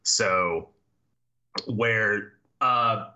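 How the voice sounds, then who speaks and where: Deep, forceful man with halting speech. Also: muffled recording. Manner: halting, many fillers and restarts. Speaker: comic book writer, podcast guest. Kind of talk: casual podcast interview.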